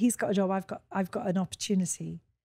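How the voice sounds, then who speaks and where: Against a quiet background, a woman speaks at a fairly quick pace in a dark, mellow, somewhat breathy voice with fairly even intonation. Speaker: podcast guest. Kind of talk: interview answer. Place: studio. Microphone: studio mic.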